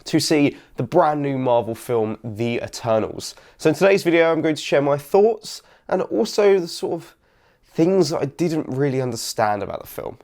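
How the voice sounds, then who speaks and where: Slightly raspy young man, rambling. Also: fairly high pitch, animated, normal speed, a little mellow. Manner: rambling, many ums and sort ofs. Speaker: film reviewer. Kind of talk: casual vlog review.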